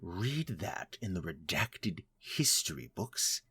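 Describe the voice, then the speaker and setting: A man playing a haughty, vengeful vampire lord in an audio drama, husky and pompous. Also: low-pitched, sing-song, sharp tone, exaggerated voice. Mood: indignant. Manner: pompous, imperious, slow and deliberate. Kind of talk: scripted audio drama acting.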